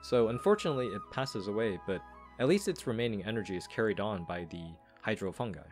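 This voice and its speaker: Low-voiced man with lively intonation. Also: fast talker, soft background music. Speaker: game reviewer and lore commentator. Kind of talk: scripted video commentary on a game story.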